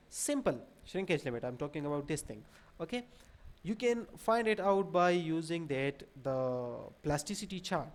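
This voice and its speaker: Male lecturer, 30s, South Asian accent, somewhat higher-pitched, explaining step by step with halting, repetitive phrasing. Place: small indoor room at a desk.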